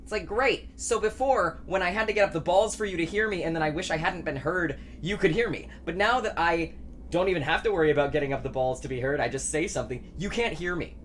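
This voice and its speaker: A young trans man chatting casually in a weekly vlog, rambling and self-deprecating, with a deep voice that doesn't carry. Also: quick pace, fairly bright tone, a little hiss or hum. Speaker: vlogger.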